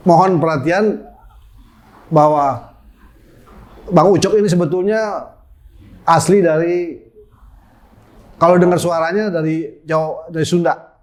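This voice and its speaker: An older man hosting an online talk show, introducing a guest and asking slow questions with many fillers. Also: a little high, fairly even intonation, a little mellow. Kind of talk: casual interview chat.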